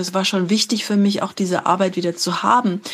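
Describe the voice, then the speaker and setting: Her pace is fairly quick, with ordinary pitch variation. This woman's voice is somewhat breathy. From Germany, Rhineland-Palatinate (Bingen). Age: 50s. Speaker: journalist and mental health patient advocate. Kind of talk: interview testimony. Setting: remote call. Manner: hesitant, many fillers.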